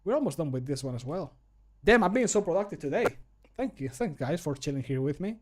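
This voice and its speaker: Speaking a little fast in a fairly high, slightly mellow voice, this man in his thirties is very animated during a casual livestream. A hobby voice actor, he jokes and mocks himself into a close desk mic from a small home room, tossing in playful sound words as he works.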